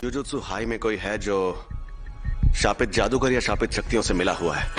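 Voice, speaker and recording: A man's voice: lowish voice, fairly quick, over loud music, lightly acted. A man voicing a carefree, cocky sorcerer teacher in an anime fan dub, teasing and showy. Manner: teasing, sing-song, showy.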